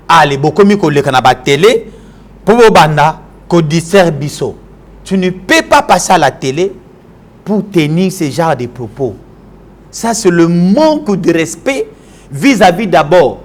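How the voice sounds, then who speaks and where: A man from Kinshasa with a Congolese French accent, delivering a combative political tirade on a TV show and switching into Lingala. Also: sits high. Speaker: political commentator.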